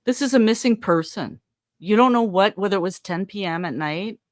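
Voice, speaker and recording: A woman's voice: mid-range voice, animated, normal speed, a little mellow, no room sound, clean studio sound. A woman hosting a podcast with casual, chatty, wry commentary on recorded phone calls. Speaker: podcast host.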